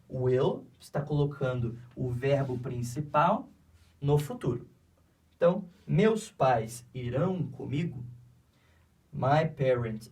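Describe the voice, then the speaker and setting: A man's voice: a little high, a little mellow, recorded from a distance. A man with a Brazilian Portuguese accent teaching an English grammar lesson, patiently repeating each step and checking that students follow.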